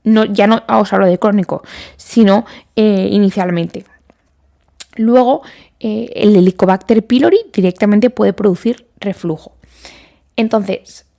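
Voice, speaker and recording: A woman's voice: mid-range voice, gravelly, warm tone. A woman doctor, hosting a casual medical podcast and explaining treatments while sometimes acting out her listeners' questions. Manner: conversational, lists items, acts out listener questions.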